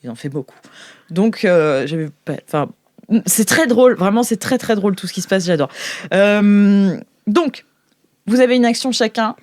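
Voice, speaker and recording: A woman hosting as game master, improvising tabletop game narration in a halting, amused way. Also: medium pitch, expressive, darkish tone, no echo, clean studio sound.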